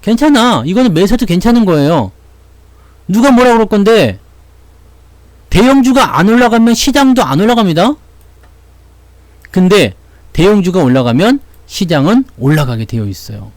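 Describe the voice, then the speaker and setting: A man giving casual, blunt stock market commentary to his viewers, slangy and quick to act out little imagined lines. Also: sits high, sing-song, darkish tone, dry recording.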